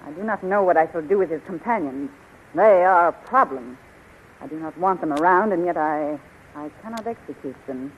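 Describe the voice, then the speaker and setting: A woman's voice: fairly low pitch, animated, normal speed, natural voice. An actress playing an imperious, smitten queen of a magic kingdom in theatrical 1930s radio style. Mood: scheming. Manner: regal, theatrical, commanding. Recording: muffled, crackly 1930s radio recording.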